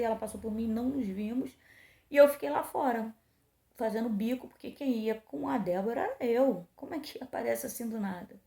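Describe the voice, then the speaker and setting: A woman's voice: a little high, creaky, warm tone. A middle-aged woman pastor giving a personal testimony, telling the story with emotion and acting out the dialogue. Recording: roomy echo.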